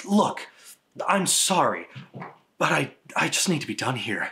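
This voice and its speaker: A man puts on a raspy character voice pitched high. He talks at a fairly slow pace. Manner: frustrated, fed up, then shouting.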